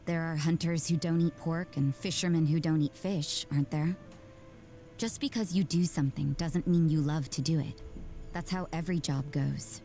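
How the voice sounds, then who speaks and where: An actress voicing a cool, jaded young nun who works in the shadows, in measured, blunt, unsentimental game dialogue. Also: female voice, sits low, steady tone, warm tone. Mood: aloof, dry. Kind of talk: scripted game character voice lines. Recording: background music under the voice.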